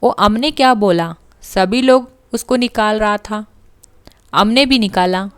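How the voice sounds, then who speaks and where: A woman voicing a gruff male traveler holding prayer beads who speaks in rough, broken sentences and makes threats. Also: medium pitch, measured pace, lightly acted. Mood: gruff threatening.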